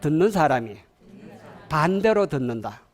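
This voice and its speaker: In a voice on the high side and at a measured pace, a Gyeongsang-accented man gives parents an animated lecture, often posing questions to the audience and having them repeat phrases after him.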